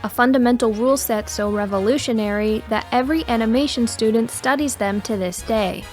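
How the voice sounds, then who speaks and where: A woman hosts a scripted lesson in a somewhat high-pitched voice. She narrates as a teacher, with faint music playing behind her. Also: a little fast, a little mellow. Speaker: host and animation teacher. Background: background music.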